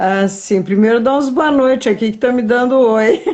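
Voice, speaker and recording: The voice has lively intonation. Its pace is fairly slow. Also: woman. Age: 60s. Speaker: course participant. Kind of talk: casual live chat.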